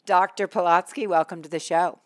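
An American woman presents a public radio program in a somewhat low voice. She delivers scripted lines and interview questions in a dry studio sound. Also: steady tone, brisk, no echo. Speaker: radio host.

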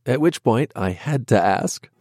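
A male radio reporter narrates a news story with a lively, rising-and-falling delivery. The sound is dry and close, with no room around his voice, and his pitch sits in the ordinary middle range. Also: dry recording. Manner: measured, lively intonation. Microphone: studio microphone.

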